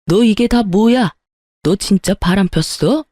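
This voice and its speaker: A woman's voice: mid-range voice, a little slow, warm tone, no echo, lightly acted. Brief: woman voicing a blunt, scolding older father-in-law, dry close sound. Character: stern angry older man, a father-in-law.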